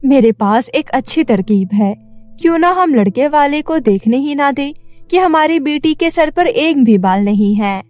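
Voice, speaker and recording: A woman's voice: sits high, lively intonation, a little slow, darkish tone, dry recording. A woman voicing a middle-aged, scheming queen mother in a cartoon story, talking persuasively. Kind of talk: Hindi cartoon story dubbing. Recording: music bed behind the voice.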